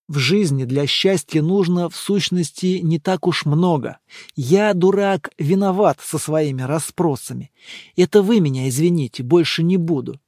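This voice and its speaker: A man doing a slow, genial sociable man. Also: fairly high pitch, darkish tone, dry recording, studio quality. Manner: unhurried, genial, coaxing. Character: easygoing sociable man, a monk by nickname.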